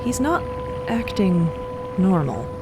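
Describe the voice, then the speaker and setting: A woman's voice: medium pitch, wildly swooping pitch, takes it slowly, loud music behind the voice. A woman narrating an adventure story for a fiction podcast in dramatic present tense.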